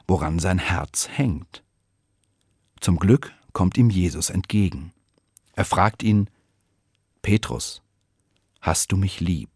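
Man, church speaker, expressive retelling, lively pitch, dry close sound. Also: husky, dry recording. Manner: expressive storytelling, lively emphasis. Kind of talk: scripted radio devotion.

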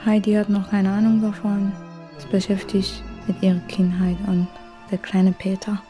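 Frau mit sehr dunkler, weicher Stimme. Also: female voice, medium pitch, monotone, moderate pace, warm tone, faint music behind. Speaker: participant retelling a film story. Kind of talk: simple storytelling retelling.

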